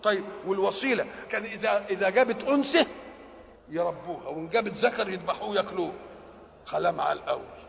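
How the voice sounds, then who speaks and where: Quick and lively in intonation, this high-voiced religious lecturer with vocal fry and an Egyptian Arabic accent preaches on the meaning of scripture. He keeps asking questions only to answer them himself, and the lo-fi, muffled audio carries a long hall reverb.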